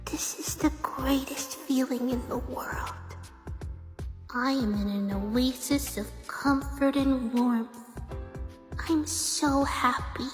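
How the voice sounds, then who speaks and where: A woman playing a theatrical, high-strung character in a dramatic manner, recorded with long reverb. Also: steady tone, takes it slowly. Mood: blissful. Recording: long reverb under loud music.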